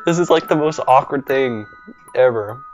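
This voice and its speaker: A man's voice: medium pitch, normal speed. A young man hosting a casual game video, reading the lines aloud and laughing self-consciously. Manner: giggly, self-conscious and animated. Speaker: gaming video host. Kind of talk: casual let's-play commentary and reading aloud. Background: faint game music.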